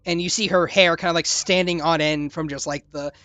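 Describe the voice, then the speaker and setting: Brief: chatty game master narrating, bright and forceful tone, dry close mic. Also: mid-range voice, fairly quick, dry recording. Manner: rambling, animated, many fillers.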